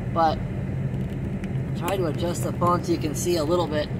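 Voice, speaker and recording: A man speaks fairly quickly while loud background noise plays behind him. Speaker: driver vlogger. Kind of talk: casual vlog chat. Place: car. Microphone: phone near.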